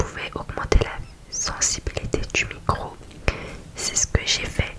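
Fairly slowly, a woman speaks in a whisper. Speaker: ASMR creator. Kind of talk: soft-spoken ASMR chat. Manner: soft close-mic ASMR murmur. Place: home room. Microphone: studio mic.

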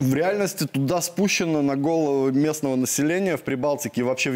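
A man's plain, everyday voice, fairly high in pitch, at a fairly quick pace. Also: quiet background. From Latvia. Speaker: blogger. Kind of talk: studio talk show discussion. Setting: studio. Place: studio. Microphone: lapel.

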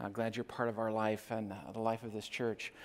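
A man speaks at a moderate pace. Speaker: pastor. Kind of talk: sermon. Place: church. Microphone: headset.

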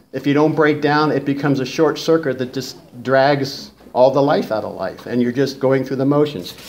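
A man speaks at a fairly high pitch. His pace is fairly quick. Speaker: licensed counselor. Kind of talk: live lecture / presentation. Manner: unscripted, conversational teaching style.

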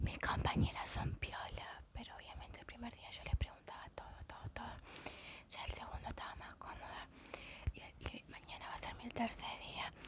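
Soft-spoken and whispering, a woman speaks at a moderate pace. The sound is dry with no echo, yet loud background noise is present. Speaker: vlogger. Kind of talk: casual vlog chat. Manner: soft-spoken whisper into close mic. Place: home room. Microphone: lapel.

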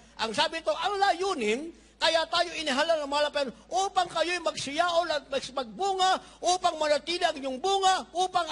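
A man with an animated tone at a moderate pace. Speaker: preacher. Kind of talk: sermon. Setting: church. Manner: animated, exhorting the congregation; rhetorical, repeating 'mga minamahal'. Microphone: handheld.

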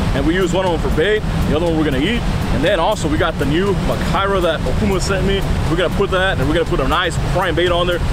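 A man at a very fast pace, dry sound with no echo, music in the background. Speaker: fishing vlogger. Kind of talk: casual vlog chat. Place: beach.

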